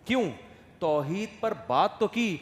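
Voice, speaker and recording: A male Islamic scholar giving a religious lecture, moving between loud emphatic points and soft acted asides, often asking listeners if they follow. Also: sits high, lively intonation. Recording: echoey hall with long reverb and faint noise.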